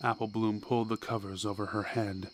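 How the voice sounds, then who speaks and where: A man reading a scripted horror story in a measured, deliberate way, with dramatic pauses. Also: on the low side, flat delivery, a little hiss or hum. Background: background music.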